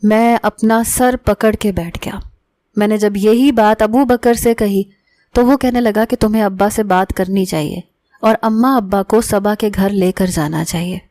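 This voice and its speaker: A woman narrating an emotional family story in the first person, in a steady, earnest storyteller manner. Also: mid-range voice, no echo.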